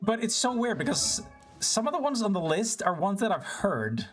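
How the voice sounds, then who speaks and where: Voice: medium pitch, sing-song, moderate pace, soft background music. A streamer giving casual gameplay commentary, chatting with viewers between frustrated yelps and swearing.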